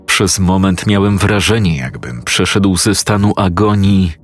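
A man narrates a first-person horror story in a grave, measured tone. His voice is very deep and slightly husky, and he reads at an unhurried pace that lets each line settle. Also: lively intonation.

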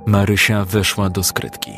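A male narrator reading a dramatic story in a calm, measured way. His voice sits on the low side, and soft music plays faintly beneath the narration. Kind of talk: scripted audiobook narration.

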